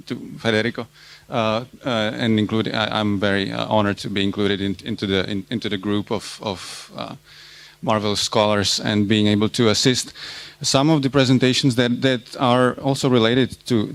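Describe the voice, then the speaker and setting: A man's voice: on the low side, vocal fry. A man in his thirties from the Republic, speaking. He gives an academic conference talk and often stops to repeat words while he searches for the next one. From Czech Republic. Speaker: university lecturer presenting research.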